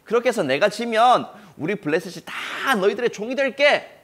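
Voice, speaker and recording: A man's voice: high-pitched, expressive, moderate pace, a bit bright, voice pushed up. A man voicing a huge, boastful giant warrior who bellows taunts at an enemy army. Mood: taunting.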